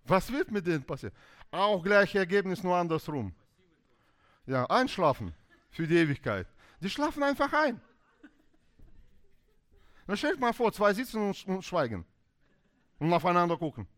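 A man with as his preaches to a congregation. His voice sits a little higher than most men's and swings widely in pitch, and he acts out arguing couples in quick bursts of dialogue. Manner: animated, acts out quarrels in dialogue, non-native German phrasing. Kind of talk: sermon on marriage.

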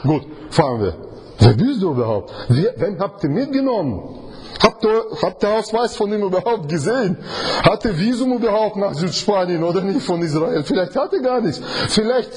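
A man preaching in conversational, non-native German, quizzing his listeners and acting out the scenes he explains. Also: high voice. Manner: animated, quizzes the audience, acts out scenes. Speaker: Bible teacher. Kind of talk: conversational Bible study sermon.

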